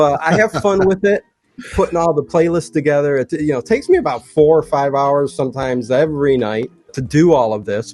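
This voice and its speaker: A man's voice: medium pitch, a little mellow. A man who streams, talking casually as a guest about his own experiences. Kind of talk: casual chat. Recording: music playing behind the voice.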